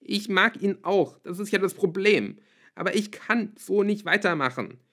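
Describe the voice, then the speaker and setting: A man voicing a desperate teenage girl who shouts through tears, in an audiobook reading. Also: high voice, expressive, moderate pace, pitched above the performer's own voice. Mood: bitter outburst.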